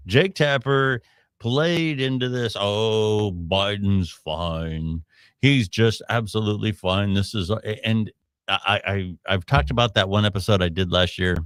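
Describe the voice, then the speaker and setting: A man's voice: low-pitched, a bit bright, dry recording, clean studio sound. A man hosting a live podcast, giving opinionated commentary in a rambling way with frequent restarts. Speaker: podcast host.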